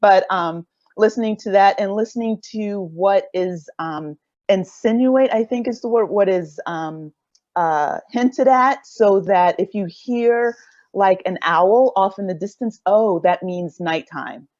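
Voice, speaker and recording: A woman's voice: medium pitch, measured pace, darkish tone, no echo, dull audio. A middle-aged woman speaking as a creator on a casual panel, rambling and thinking aloud hesitantly. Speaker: audio drama creator on a panel.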